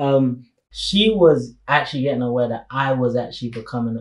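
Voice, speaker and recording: The voice belongs to a man. It sounds somewhat breathy. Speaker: panel guest; guest. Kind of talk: casual panel discussion. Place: studio.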